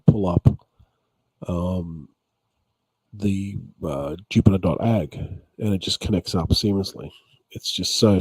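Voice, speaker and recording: Mumbling low-voiced man, husky and dark. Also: no echo, poor audio. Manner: rambling, repeats words, many ums. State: tired after a late night. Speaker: crypto vlogger. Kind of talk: casual talk to camera.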